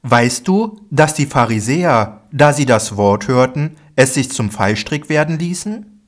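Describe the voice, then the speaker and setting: A man's voice: medium pitch, expressive, a little slow, voice pushed up, close to an everyday voice. A man voicing a group of worried followers, asking questions in a slightly raised voice, in a Bible audiobook reading. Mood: questioning.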